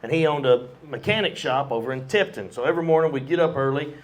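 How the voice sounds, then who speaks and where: A man's voice: mid-range voice, fast. A man casually telling a profane story at a live storytelling show.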